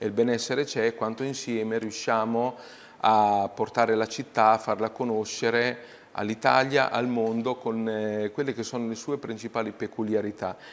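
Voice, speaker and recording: Moving at a moderate pace, the speech stays monotone, with flat intonation. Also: man, medium pitch for a man. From central Italy, Fano (Marche); Marche, Italy. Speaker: mayoral candidate; candidate. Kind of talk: interview. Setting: studio. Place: studio. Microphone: lapel.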